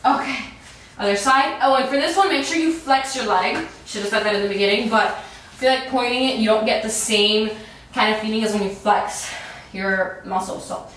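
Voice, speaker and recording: A very echoey, distant recording of a woman coaching a workout. Her voice sits a little high, and she is peppy and encouraging. She gives casual instructions while exerting herself. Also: moderate pace, fairly bright tone, a little hiss or hum. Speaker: fitness coach leading a workout. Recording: echoey room, distant microphone.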